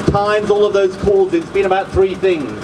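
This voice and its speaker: Noticeable background noise sits behind the speech. A man talks with ordinary pitch variation. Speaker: politician addressing a rally. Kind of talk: rally speech. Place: street. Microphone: pa.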